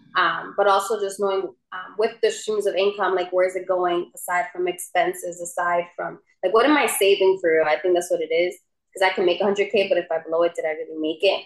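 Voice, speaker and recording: A woman at medium pitch talks at a fairly quick pace with fairly even intonation in an ordinary speaking voice. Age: 20s. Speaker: workshop participant, small business owner. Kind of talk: casual chat. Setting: video call.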